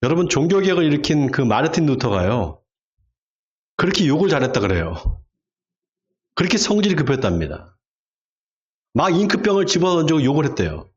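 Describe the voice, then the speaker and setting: Male pastor, lively preaching voice, bursts into acted shouts, dull lo-fi church recording. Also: fairly high pitch, a little fast, pauses often. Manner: acts out shouted quotes in sudden bursts. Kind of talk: sermon. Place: church sanctuary.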